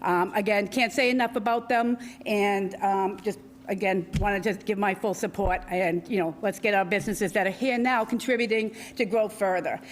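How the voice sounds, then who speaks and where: A woman in her sixties with a loud voice, speaking off the cuff at a town council meeting, chatty and full of fillers. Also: mid-range voice, fairly even intonation, normal speed, slight background noise. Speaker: local businesswoman and commission chair. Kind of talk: unscripted public comment.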